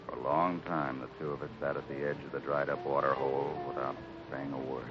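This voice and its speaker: An actor playing a grave, kindly Western ranch boss, speaking slowly and solemnly in 1950s radio drama style. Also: male voice, rumbling low, level tone, over loud music. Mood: grim, solemn. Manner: slow, deliberate, solemn. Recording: muffled, noisy old radio recording.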